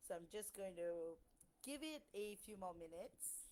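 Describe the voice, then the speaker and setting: Lively intonation from a woman at a moderate pace. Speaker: spiritual channeler hosting a livestream. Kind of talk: live stream talk to viewers. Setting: online live stream. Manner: trying to speak louder. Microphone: new laptop mic, external mic not connecting.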